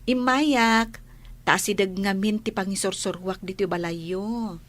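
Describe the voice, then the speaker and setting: A woman with an Ilocano Filipino accent playing a polite, gentle young schoolteacher in a radio drama. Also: mid-range voice, steady tone, measured pace, natural voice.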